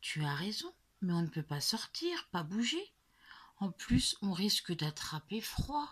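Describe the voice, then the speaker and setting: A gentle, patient father, read by a woman who speaks softly and coaxingly in a storybook. The voice is airy and moves lightly up and down. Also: mid-range voice, sing-song, a little slow, slightly rough.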